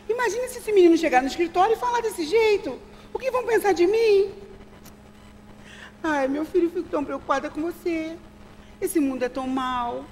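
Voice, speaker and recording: An anxious, overprotective mother who frets dramatically and keeps calling her son "my child", played by a woman. Her voice is high and swoops up and down. A long hall reverb trails behind her. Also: a little hiss or hum. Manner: fretting, dramatic, repeats "meu filho". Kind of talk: amateur stage play.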